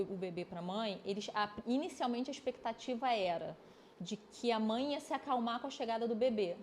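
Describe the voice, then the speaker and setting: A woman, an osteopath and physiotherapist, explains things step by step on a podcast, with lively examples. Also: medium pitch, a little hiss or hum. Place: podcast studio.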